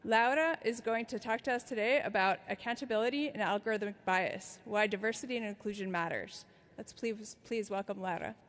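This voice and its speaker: A woman chairing a conference session, reading a speaker's prepared introduction in a steady way. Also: mid-range voice, fairly quick. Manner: reads a prepared bio steadily. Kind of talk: formal introduction. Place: large conference hall. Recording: echoey large hall.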